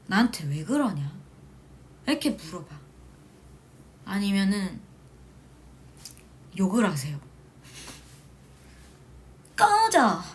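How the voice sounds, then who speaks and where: A young woman in her twenties, an idol hosting a casual livestream from a small room at home, chatting and telling animated stories. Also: mid-range voice, slight background noise. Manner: chatty, animated storytelling with shouted quotes. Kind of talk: casual livestream chat reading comments.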